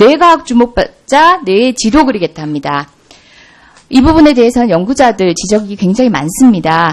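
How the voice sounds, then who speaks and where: At a moderate pace, a woman talks in a fairly high pitch that swings very widely. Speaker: lawmaker questioning officials. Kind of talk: parliamentary questioning. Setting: committee hearing room. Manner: formal.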